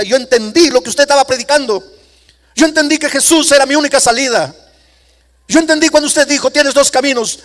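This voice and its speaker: A man's voice: mid-range voice, voice pushed down, natural voice. A man voicing a repentant middle-aged former drunk, earnestly pleading his confession to the pastor. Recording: long reverb of a large hall.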